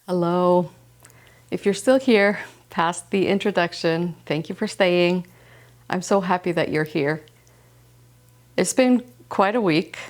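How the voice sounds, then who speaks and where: A woman from Iceland hosting a slow-living knitting podcast, speaking calmly and gently, first in reflective narration, then in casual chat. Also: lowish voice. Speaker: podcast host. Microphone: wireless transmitter mic.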